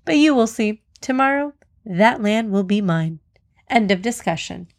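A woman's voice: mid-range voice, animated, a little slow, dry recording, clean studio sound. A woman voicing a huge, boastful male elephant in a children's story, commanding and sarcastic.

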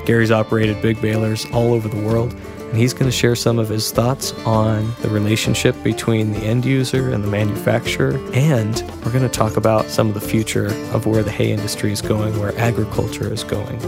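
A man hosting a farming podcast, reading a measured intro and asking interview questions. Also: fairly low pitch, little pitch movement, gravelly. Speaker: podcast host. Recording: loud guitar music under the voice.

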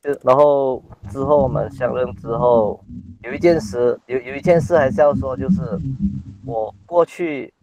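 A man's voice: mid-range voice, low-quality recording. Hesitant young man giving testimony. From Malaysia. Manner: hesitant, halting restarts. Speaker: testimony speaker, son. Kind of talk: personal testimony.

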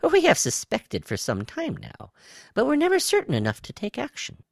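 A man's voice: very high-pitched, wildly swooping pitch, moderate pace, creaky, no echo, clean studio sound, pitched above the performer's own voice, heavily acted. A man voicing a reptilian alien spy in an audiobook story, with a lilting, nonchalant manner. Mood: lilting, businesslike. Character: high-pitched reptilian alien spy, casual, sly intelligence officer.

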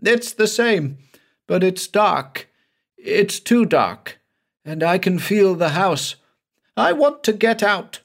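A terrified, guilt-haunted man, as a male narrator puts him on, shrieking in a high, shrill voice. His pitch leaps and swoops wildly, and the words come out slow and dragged. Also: lively intonation, vocal fry, fairly bright tone, full character voice. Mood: frightened. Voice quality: shrill, frantic. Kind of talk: dramatic audiobook reading.

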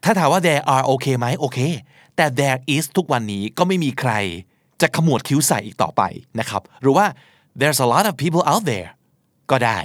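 A man's voice: mid-range voice, sing-song, fairly quick, no room sound, studio quality. A man hosting a talk show about English usage, talking in a casual, slangy, explanatory way with emphatic asides. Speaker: podcast host teaching English.

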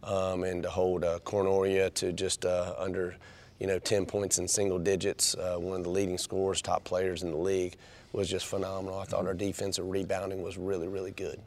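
A man, a basketball coach talking in a radio interview, halting and repeating words as he goes. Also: sits low, completely flat delivery. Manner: halting, repeats words, warms up when telling stories. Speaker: women's basketball head coach.

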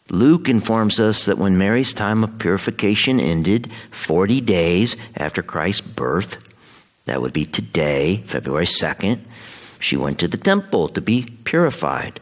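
An American man, a Catholic priest, reading scripture and preaching at Mass in a solemn, measured way. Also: on the low side. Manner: solemn, measured liturgical delivery.

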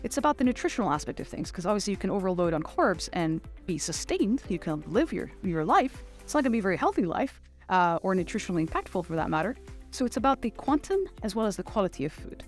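A middle-aged woman from the United Arab Emirates giving conversational interview answers as a finance executive, often pausing and rephrasing as she goes. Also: medium pitch, big pitch swings, soft background music.

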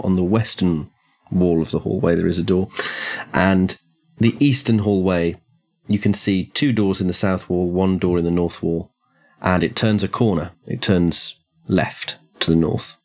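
A man acting as game master, describing a house layout with many pauses and ums. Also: low voice, darkish tone. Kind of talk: describing a scene in a tabletop game.

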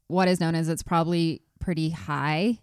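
Low-voiced woman telling ship history. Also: steady tone, moderate pace, smooth, no room sound, clean studio sound. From Colorado. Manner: reads history facts with joking asides. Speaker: podcast co-host. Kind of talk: casual history podcast narration.

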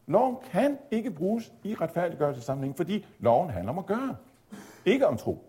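A man giving a measured, explanatory theology lecture, at times pausing on fillers. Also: high voice, big pitch swings, dark tone, breathy edge. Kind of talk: spoken lecture on Luther's reading of Galatians.

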